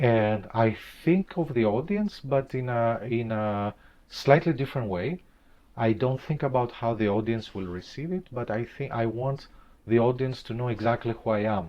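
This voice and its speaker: Pitched in the middle range, a man talks at an even tempo. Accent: Greek. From Greece. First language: Greek. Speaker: composer and professor. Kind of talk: interview. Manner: monotonous.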